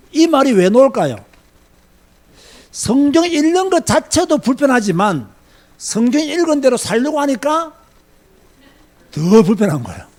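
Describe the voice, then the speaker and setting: Pastor guy preaching a bible lecture, really high voice, tons of rhetorical questions. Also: a little mellow. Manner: emphatic, asks rhetorical questions and repeats himself. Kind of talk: sermon-style Bible lecture.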